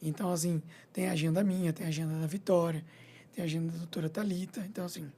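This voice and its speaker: Um homem veterinário, convidado de uma entrevista de rádio, falando de forma descontraída e tagarela e pontuando as frases com "entendeu?". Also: male voice, a little high, fairly even intonation, racing, vocal fry, dark tone, breathy edge. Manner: chatty, repeats "entendeu?" and "né?", acts out little scenes. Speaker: veterinarian and clinic owner. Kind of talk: radio interview guest, casual chat.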